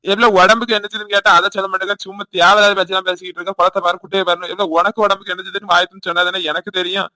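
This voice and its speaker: A man voicing a fast-talking, blustering village husband. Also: high voice, level tone, sharp tone, no echo. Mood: nagging. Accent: Tirunelveli Tamil. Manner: nagging, scolding, hectoring. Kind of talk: cartoon voice acting.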